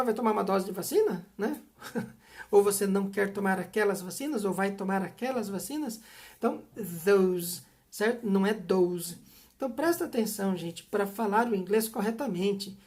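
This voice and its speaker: A woman's voice: mid-range voice, darkish tone. A middle-aged Brazilian woman teaching English pronunciation to viewers, emphatic and scolding, full of tag questions. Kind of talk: teaching, direct address to viewers.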